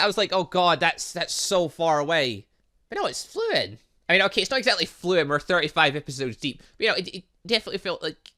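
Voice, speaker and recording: A young man hosts a casual gaming commentary in a bright, forceful voice. His pitch moves up and down a lot as he rambles, thinks aloud and mutters little filler sounds to himself. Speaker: gaming channel host. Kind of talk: casual let's play commentary on a visual novel game.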